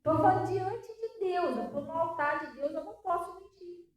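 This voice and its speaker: A high-pitched woman with a Brazilian Portuguese accent delivers an emphatic sermon, constantly checking that her listeners follow. Her voice comes from a distance and rings through a heavily reverberant church hall. A faint background noise sits under it. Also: lively intonation, moderate pace. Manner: emphatic preaching, constant rhetorical questions to the congregation. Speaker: pastor.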